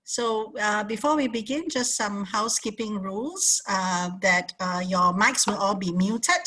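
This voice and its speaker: A woman's voice: medium pitch, expressive, a little slow, pushed and bright, rough recording. A woman moderating an online talk over a video call, welcoming the audience with many fillers.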